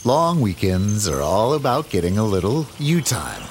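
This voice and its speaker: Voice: medium pitch, very animated, moderate pace, heavy background noise. A commercial announcer reading a scripted retail advertisement. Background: music.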